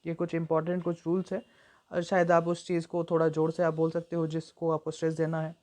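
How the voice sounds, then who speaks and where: A young woman tutor giving an exam-prep lecture, explaining at length with frequent fillers and slowing down to read example sentences aloud. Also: sits low, completely flat delivery, dark tone. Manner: reads English examples slowly and deliberately. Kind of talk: exam-prep lecture mixing Hindi and English.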